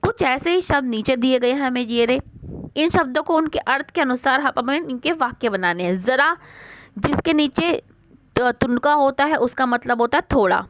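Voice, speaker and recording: A woman teaching a worksheet lesson to young pupils. She asks a question, answers it herself, repeats the words slowly and calls the children "beta". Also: sits high, lively intonation, a little hiss or hum. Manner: mixes English words like question, first into her talk.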